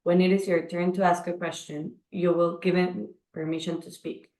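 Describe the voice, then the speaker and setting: Low-voiced woman operator, echoing. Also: little pitch movement, normal speed, darkish tone. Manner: formal, procedural. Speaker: conference call operator. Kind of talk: scripted announcements. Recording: roomy, echoing call audio.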